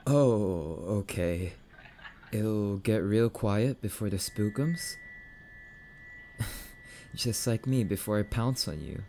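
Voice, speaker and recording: A man's voice: fairly low pitch, animated, takes it slowly, long pauses, dark tone, a little hiss or hum. A man playing a grumpy, affectionate, easily spooked young catboy boyfriend in an ASMR roleplay, defensive and prone to stammering. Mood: nervous.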